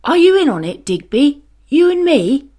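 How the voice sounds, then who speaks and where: Woman as an excited, high-voiced chatty truck. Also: moderate pace. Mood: excited, curious. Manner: eager, gossipy. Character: excited, chatty male construction vehicle, eager friend. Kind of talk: children's storybook character voice.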